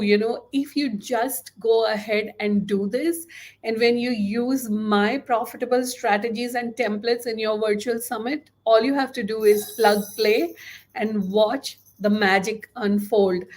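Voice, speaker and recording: A middle-aged woman with an Indian accent speaks straight into her webcam from a small room at home. She pitches her online program with bright enthusiasm and cheers the listener on, her hands moving as she talks. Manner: enthusiastic and encouraging, gesturing with both hands. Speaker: course host. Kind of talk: webinar sales pitch. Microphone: webcam at desk.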